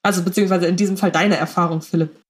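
A woman's voice: fairly low pitch, steady tone, racing. A woman hosting a podcast, asking questions in a casual, chatty style. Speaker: podcast host. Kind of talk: casual chat.

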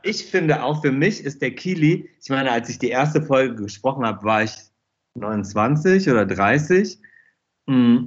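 A man's voice: mid-range voice, animated, measured pace, husky. Slightly muffled, chatty man in casual interview. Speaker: interview guest, fashion designer.

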